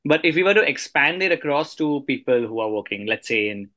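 A man's voice: medium pitch, expressive, fairly quick, bright, forceful tone. A man hosting a podcast interview, speaking in an articulate, polite way. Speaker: podcast host. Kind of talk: podcast interview, scripted introduction.

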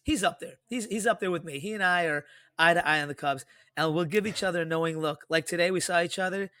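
Lively, bright-voiced man, dry close sound. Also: high-pitched, quick pace, dry recording. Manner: animated storyteller, acts out quoted dialogue. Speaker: podcast co-host. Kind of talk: casual podcast chat.

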